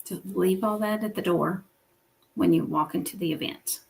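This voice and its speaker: A woman's voice: fairly low pitch, normal speed, vocal fry, darkish tone, low-quality recording. A woman hosting a weekly business livestream, coaching viewers in an encouraging teaching style and often checking in with "okay?" and "right?".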